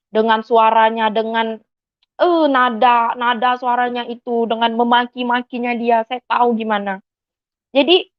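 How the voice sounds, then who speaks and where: A woman's voice: on the high side, no echo. A young woman from Indonesia tells her personal testimony earnestly and acts out the voices of the people in it. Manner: earnest storytelling that acts out quoted dialogue. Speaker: convert giving a testimony. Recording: slightly dull, dry recording.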